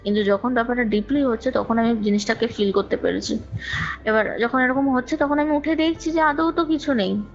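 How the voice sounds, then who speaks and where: A woman's voice: fairly high pitch, brisk. A woman telling a personal story conversationally, talkative and repeating phrases for emphasis, with some English words mixed in. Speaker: guest recounting own ghost experience. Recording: dull lo-fi call recording, music underneath. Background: music.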